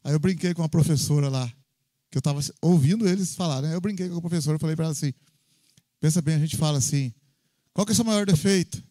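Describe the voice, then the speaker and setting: A pastor with a Brazilian Portuguese accent delivers an informal church sermon, sharing personal stories and tossing in lively tag questions often. His voice sits a little high and he talks quickly, with no room sound in the recording.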